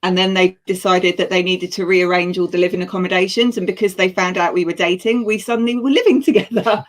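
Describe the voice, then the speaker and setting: A woman's voice: fairly low pitch, fast talker. A woman from England in her thirties, a guest telling her story with frequent laughter over a video call. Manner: laughs often, lively storytelling. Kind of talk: casual chat.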